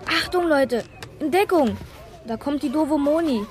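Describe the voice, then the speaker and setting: High-voiced bossy schoolgirl. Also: animated, unhurried. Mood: bossy, aggressive. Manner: brash, taunting. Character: bossy, hot-headed schoolgirl in the playground. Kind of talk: German children's audio drama acting.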